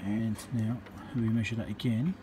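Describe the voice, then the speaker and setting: A man's voice: fairly low pitch, flat delivery, normal speed. A man giving a casual, hands-on electronics repair demonstration, talking matter-of-factly through each step as he works. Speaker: electronics repairer and video host. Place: indoor electronics workbench. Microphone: handheld camera or phone microphone. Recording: loud hiss and background noise, handheld camera.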